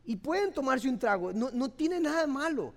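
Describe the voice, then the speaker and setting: A man's voice: extremely high pitch, big pitch swings, moderate pace, creaky. A man with a Costa Rican accent preaching an impassioned, emotional sermon as a pastor. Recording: long hall reverb.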